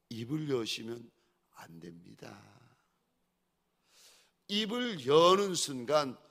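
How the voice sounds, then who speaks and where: A male pastor preaching with a fairly high voice that leaps up and down in pitch. He talks slowly and deliberately, dropping to hushed pleas and then rising to loud exhortation. He keeps repeating phrases and throwing rhetorical questions at his listeners. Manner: swings between hushed pleading and loud exhortation; repetitive, rhetorical questions to the congregation. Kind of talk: sermon.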